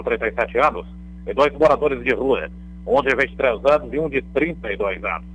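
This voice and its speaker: A man's voice: medium pitch, fairly bright tone, breathy edge, rough recording. A middle-aged man from Brazil reading a radio police bulletin as a crime reporter, in a conversational way with fillers and tag questions. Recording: radio broadcast audio.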